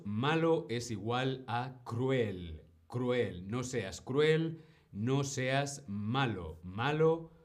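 A man teaching Spanish on a live stream, speaking slowly and deliberately, repeating words and often checking in with the viewers. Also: mid-range voice. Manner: answers viewer questions from chat. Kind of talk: live-streamed language lesson.

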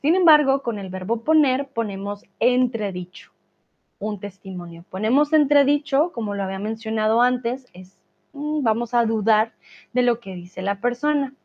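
A woman's voice: on the high side, lively intonation. A woman teaching a language lesson, explaining patiently, stretching out words and checking in with her students. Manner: patient explaining, drawn-out words, frequent "¿vale?" check-ins. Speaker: Spanish teacher. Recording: dull lo-fi recording.

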